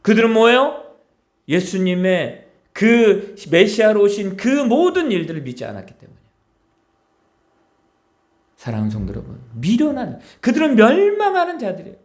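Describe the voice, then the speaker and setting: A male pastor preaching with a strikingly high voice that swings widely in pitch. He hammers key words, repeats them, and throws rhetorical questions out to the congregation to keep them engaged. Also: wildly swooping pitch, moderate pace, long pauses. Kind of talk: sermon.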